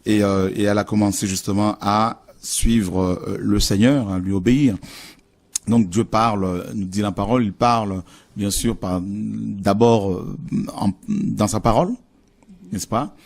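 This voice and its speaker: A man's voice: fairly low pitch, steady tone, a little slow, a little mellow. Earnest French-speaking male preacher. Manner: earnest, repeats phrases, many fillers. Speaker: Christian preacher hosting a TV show. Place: TV studio.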